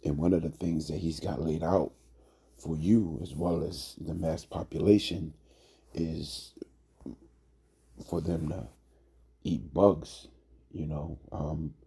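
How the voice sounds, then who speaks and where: A man giving an informal religious lesson, hoarse from a cold, talking in a drawl with many fillers. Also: rumbling low, steady tone, slow pace, long pauses, dark tone. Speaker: religious teacher.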